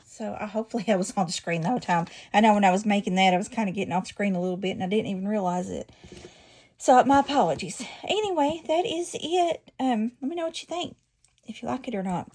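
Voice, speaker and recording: A middle-aged woman hosting a casual jewelry-making tutorial, chatty and quick to correct herself. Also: medium pitch, expressive, darkish tone. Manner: chatty, self-correcting, laughs at her slips. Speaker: jewelry-making channel host.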